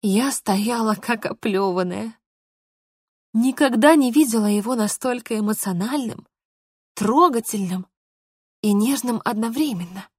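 A woman reading a first-person novel aloud, calm and measured. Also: fairly high pitch, husky, no room sound, studio quality. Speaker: audiobook narrator.

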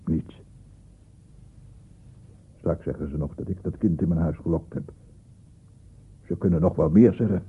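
An actor playing a tormented, easily offended old man in a radio drama, brooding and halting in his speech. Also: deep voice. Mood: defiant. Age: older. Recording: dull, noisy old radio play recording.

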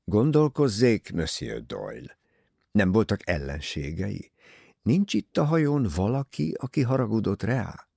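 A man reading an audiobook, voicing a calm, shrewd older detective who speaks in a measured, probing way. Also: on the low side, gravelly, dry recording, clean studio sound, full character voice.

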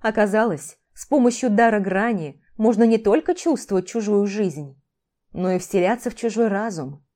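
Woman, audiobook narrator, measured dramatic reading, mellow tone, mid pitch. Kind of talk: scripted fantasy narration.

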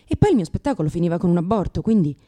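A woman's voice: on the low side, very animated, racing, mellow. A woman performing a theatrical comic monologue as a brash, neurotic lesbian comedian, sardonic, exclamatory, crude and self-mocking. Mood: anxious, ironic.

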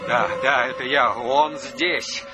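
A man's voice: medium pitch, steady tone, slow pace, loud music behind the voice, close to an everyday voice. An actor playing a frightened, haunted man in a radio play. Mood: fearful.

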